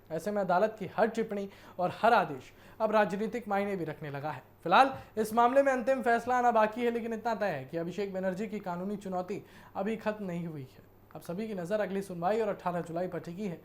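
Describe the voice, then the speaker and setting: A woman's voice: medium pitch, darkish tone. A woman with an Indian accent presenting a news report as a narrated piece.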